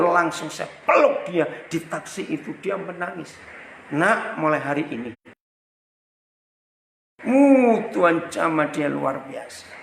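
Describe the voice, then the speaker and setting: A man from Indonesia, a pastor preaching a storytelling sermon, animated and exclamatory as he speaks straight to the congregation. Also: on the high side, vocal fry. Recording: echoey hall with faint background noise.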